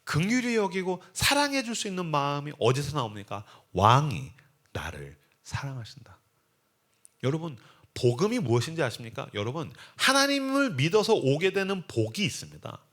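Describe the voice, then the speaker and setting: A male preacher gives a revival sermon with a bright, forceful voice. His pitch sits fairly high and swings widely as he tells his story and acts out the scenes, so the delivery stays animated. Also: fairly quick. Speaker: guest preacher at a revival meeting.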